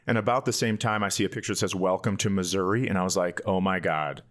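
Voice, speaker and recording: A man's voice: low voice, steady tone, fast. A middle-aged man, a comedian and podcast co-host, telling casual comic stories in a candid, self-deprecating way.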